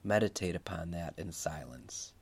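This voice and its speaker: With a low, husky, slightly mellow yet expressive voice, this preacher leads a guided Christian meditation. He speaks reflectively and without hurry, using repeated phrases for emphasis.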